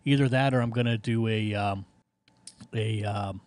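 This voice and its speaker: A man who operates amateur radio, chatting casually in a halting way as he searches for words. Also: fairly low pitch, darkish tone, no room sound. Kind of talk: casual ham radio contact chat.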